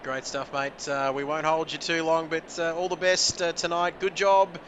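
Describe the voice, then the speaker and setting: A man's voice: a little high, little pitch movement, moderate pace, a bit bright, slight background noise. A man hosting post-race driver interviews in a chatty, joking way with lots of fillers. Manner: chatty, jokey, many fillers.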